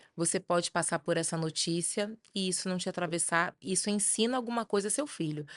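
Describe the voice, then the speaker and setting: Hardly pausing, a woman talks at a fairly quick pace in a strong Carioca accent, with a medium pitch and ordinary pitch variation. The sound is dry and close with no echo, against a quiet background. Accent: carioca Portuguese, still strong. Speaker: educator and anti-racism consultant. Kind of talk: interview conversation.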